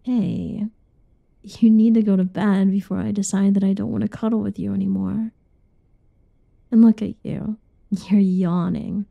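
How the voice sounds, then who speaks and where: A young woman doing a whispered ASMR roleplay in a soft, teasing whisper, recorded close and dull. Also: mid-range voice, gravelly, husky, no room sound.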